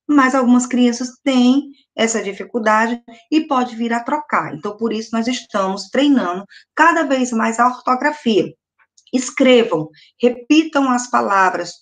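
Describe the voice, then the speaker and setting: Brazilian woman, middle-aged, first-grade teacher on video, slightly high pitch, patient and slow on syllables. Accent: Brazilian Portuguese. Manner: slow, sounding out words syllable by syllable; patient, asks children questions and answers them. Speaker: primary school teacher.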